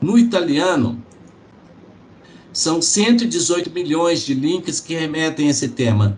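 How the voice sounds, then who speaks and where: There is audible room echo as a man with a fairly high voice talks with lively intonation, taking long, frequent pauses. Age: 60s. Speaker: lecturer on workplace quality of life. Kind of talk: lecture. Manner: hesitant, with many fillers.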